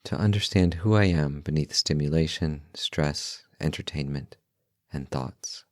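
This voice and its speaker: Very deep-voiced man guiding meditation. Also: dry recording, studio quality. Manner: calm, unhurried, gentle, with long pauses. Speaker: meditation guide, podcast host. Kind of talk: guided meditation narration.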